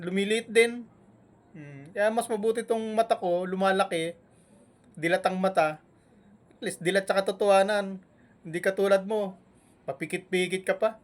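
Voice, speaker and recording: Taunting man scolding a rival vlogger. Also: sits high. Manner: taunting, scolding, with drawn-out hums between jabs. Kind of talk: live-stream rant at a rival.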